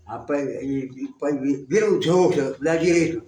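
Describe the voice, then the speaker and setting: A man teaching a church class, telling a story in a casual, halting way with many repetitions. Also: on the high side, dark tone. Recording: roomy sound, distant mic.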